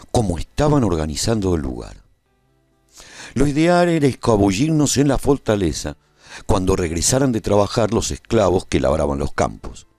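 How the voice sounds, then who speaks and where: A man's voice: lowish voice, mellow, no room sound. A man playing a battle-seasoned adventurer, narrating his story in a scripted, dramatic first-person radio serial style.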